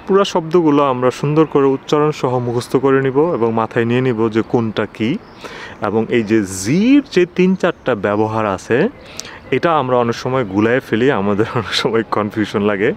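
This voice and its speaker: A man at an ordinary middle pitch talks through a language lesson. He is patient and explanatory, repeats each word slowly and keeps checking in with his listeners. A faint noise sits under the recording. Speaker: German language teacher.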